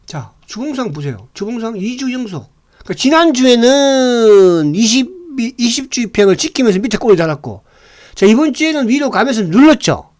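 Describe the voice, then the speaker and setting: A man with a fairly high voice gives casual stock commentary, his pitch leaping up and down as he talks. He keeps asking his viewers to agree and drops in blunt slang. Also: very animated, moderate pace, darkish tone.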